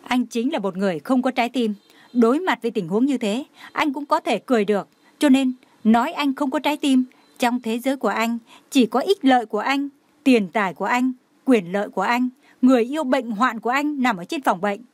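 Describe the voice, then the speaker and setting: A woman's voice: fairly high pitch, a little fast, dry recording, close to an everyday voice. A woman voicing a fiery young woman who argues with tearful indignation. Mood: defiant anger. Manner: indignant, pleading.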